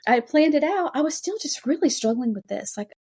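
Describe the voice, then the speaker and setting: A woman's voice: sits high, lively intonation, a little fast, a little mellow. A woman co-hosting a writing podcast, talking in a casual, candid and chatty conversational way. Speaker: podcast co-host and fiction writer.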